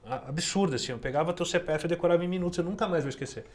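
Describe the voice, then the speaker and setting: Chatty, fast-talking male host. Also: a little high. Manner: chatty, self-referential. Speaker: podcast host. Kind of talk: casual podcast interview.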